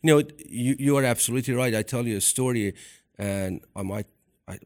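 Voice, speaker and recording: A man's voice: medium pitch, a little mellow. A man with a non-native accent, telling a personal story in casual chat, with frequent restarts. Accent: non-native English. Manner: halting, with many restarts.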